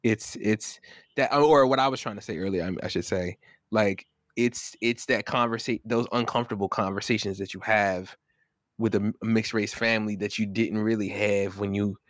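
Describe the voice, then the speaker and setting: A man's voice: fairly low pitch, fairly even intonation, moderate pace, no room sound, clean studio sound. A man in a casual podcast discussion who restarts his sentences several times before he gets to his point.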